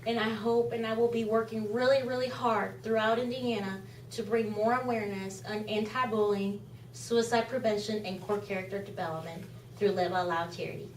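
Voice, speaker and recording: A woman's voice: mid-range voice, steady tone, normal speed, recorded from a distance, slight background noise. Woman, native Spanish speaker, impassioned charity talk, echoey room, faint ambience. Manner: earnest, impassioned, repeats phrases. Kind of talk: club presentation speech. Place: meeting room.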